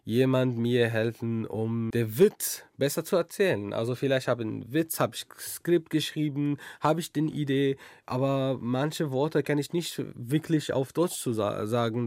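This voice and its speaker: A young man, a comedian answering interview questions in halting with many fillers. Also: mid-range voice, darkish tone, no echo, clean studio sound. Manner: halting non-native German, thinks aloud with many fillers.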